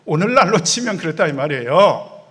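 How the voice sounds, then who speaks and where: A man preaching a sermon, acting out quoted voices and swinging between loud outbursts and soft asides. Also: on the high side, very animated, fairly quick, slightly rough. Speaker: pastor.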